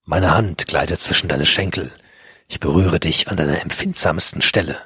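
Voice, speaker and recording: Man doing a seductive pirate guy, low slow murmur, kinda husky. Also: pushed and bright, no echo, studio quality, exaggerated voice. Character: tender, seductive male pirate lover.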